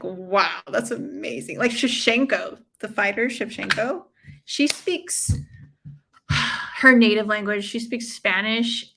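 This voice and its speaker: A mid-range, slightly bright female voice belongs to an American host running a live watch-along. She casually talks with her audience, gushing and slangy, and comments on the fight as it happens.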